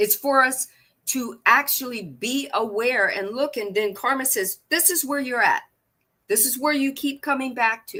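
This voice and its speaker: Raised and projected, a woman's bright, sharp, high-pitched voice comes through a very clean recording over a silent background. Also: ordinary pitch variation, moderate pace. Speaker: spiritual podcast host. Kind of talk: spiritual podcast monologue. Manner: halting, repeats words.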